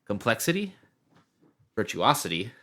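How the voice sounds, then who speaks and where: A man's voice: lowish voice, sing-song, unhurried, pushed and bright. A man co-hosting a podcast, talking casually about music. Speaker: podcast co-host.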